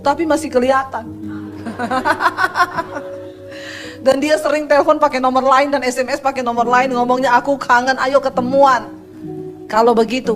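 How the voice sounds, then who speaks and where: High-voiced woman pastor preaching. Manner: lively preaching with storytelling and humor. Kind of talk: sermon.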